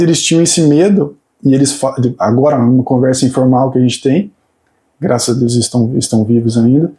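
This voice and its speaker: Man, 30s, mellow tone, earnest guest, hesitant restarts. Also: fairly high pitch. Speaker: fitness coach and PhD student guest. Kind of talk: casual interview chat.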